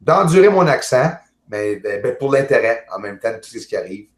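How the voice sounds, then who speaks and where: A jovial man with a Québécois accent talks over a video call, halting along with fillers and restarts. His voice sits at an ordinary middle pitch. The room around him sounds noticeably echoey. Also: sing-song. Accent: Québécois French. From Quebec, Canada. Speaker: guest, amateur astronomer. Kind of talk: casual video call chat. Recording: roomy echo.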